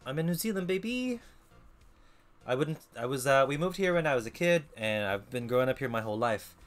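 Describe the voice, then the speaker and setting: A man in his twenties with an American accent, chatting casually while streaming a game, relaxed and swearing now and then. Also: mid-range voice, brisk, faint music behind. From Philippines. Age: 20s. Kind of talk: casual let's-play commentary.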